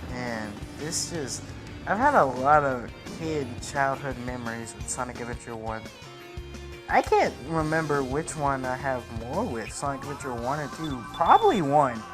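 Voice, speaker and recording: A man's voice: mid-range voice, lively intonation, moderate pace. A young man giving casual, slangy, rambling game commentary as the host of a gaming video. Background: video game music.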